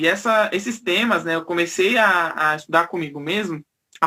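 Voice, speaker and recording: A high-pitched man's raised, projected voice with a northeastern Brazilian accent, bright and sharp in tone, at a moderate pace with ordinary pitch variation. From Brazil, Pernambuco (Northeast). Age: 20s. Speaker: young adult who left youth shelter care. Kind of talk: interview testimony. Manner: hesitant, many fillers.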